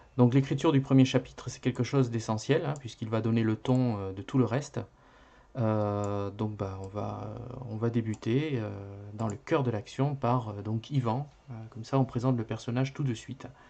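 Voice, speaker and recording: Medium pitch from a man at a moderate pace, with fairly even intonation. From French-speaking country, part of youth in Venezuela. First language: Spanish (speaking French). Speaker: writer. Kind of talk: live-stream writing session. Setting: live stream. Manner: halting, many hesitations.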